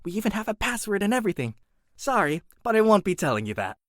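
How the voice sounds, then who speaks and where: A performer voicing an earnest, dutiful young blacksmith's apprentice and student in an animated character reel, conversational and expressive. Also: medium pitch, quick pace, no echo, clean studio sound. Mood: casual.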